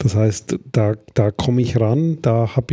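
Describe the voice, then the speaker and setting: Dark and mellow in tone, a man's somewhat breathy voice shows ordinary pitch variation. The sound is dry and close, with no echo. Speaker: podcast co-host on data protection. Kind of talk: casual chat.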